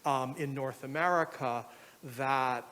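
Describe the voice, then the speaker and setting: Brief: middle-aged man, academic discussant, halting delivery with frequent ums and restarts. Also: mid-range voice, a bit bright. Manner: hesitant, many fillers and restarts. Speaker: discussant, professor. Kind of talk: academic panel remarks.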